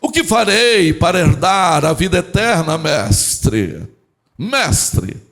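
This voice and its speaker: A man's voice: on the high side, very animated, takes it slowly, creaky, full character voice. A man voicing a showy religious law expert who puts on an affected, churchy tone. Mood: pompous. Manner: affected churchy intonation, loud and raised.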